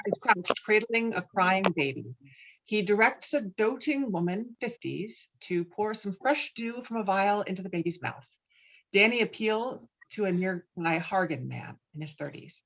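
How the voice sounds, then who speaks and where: A woman's voice: medium pitch, fairly bright tone, slight background noise. A woman reading scripted stage directions as narrator at a table read, slightly muffled as on a video call.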